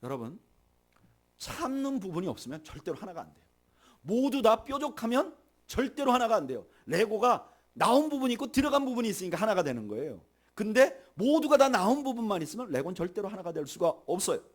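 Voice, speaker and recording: Brisk and very animated, a high-voiced middle-aged pastor delivers his sermon, surging in volume for important points and then quieting down, while guiding the congregation through a shared reading.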